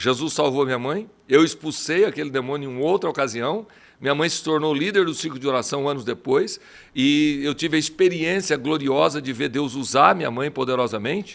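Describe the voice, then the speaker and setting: Using an ordinary speaking voice, a man talks at a fairly quick pace with a fairly high pitch and ordinary pitch variation. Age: 60s. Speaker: pastor. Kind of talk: religious talk show. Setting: studio, live radio broadcast.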